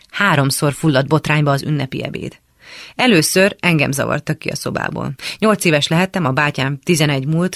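A woman reads a first-person memoir aloud in a calm, measured way. Her voice carries a gravelly, creaky edge. The sound is dry and close, with no room around it. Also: deep voice, dry recording. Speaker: reader.

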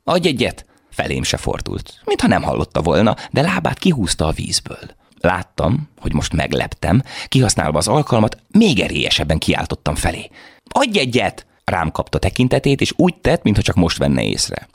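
A man reads a novel aloud in a very low, gravelly voice with a husky edge. His narration is measured, yet his pitch rises and falls in a lively way, and the recording is close and dry. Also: no echo. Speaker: actor reading aloud. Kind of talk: radio reading of a novel.

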